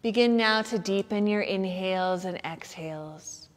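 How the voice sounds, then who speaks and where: A woman leads a guided relaxation as a yoga nidra teacher. Her delivery is very slow and soothing, with gentle instructions and room left between phrases. Her medium-pitched voice carries a long, hall-like reverb. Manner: soothing, gentle, unhurried guiding with pauses.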